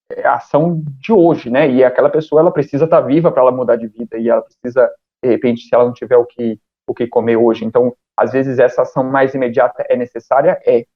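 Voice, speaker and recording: Thoughtful hesitant man. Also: medium pitch. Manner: thoughtful, hesitant, many fillers. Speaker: podcast guest. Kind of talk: casual conversation. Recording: dull lo-fi sound.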